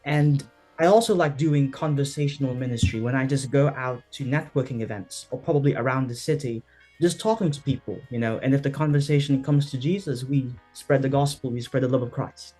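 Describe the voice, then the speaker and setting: This Filipino man, a singer-songwriter guest, answers interview questions over a video call with a British English accent. His mid-range voice is brisk and mellow, earnest and reflective, sprinkled with "right?" and "you know." Soft music plays behind him, and the audio is poor.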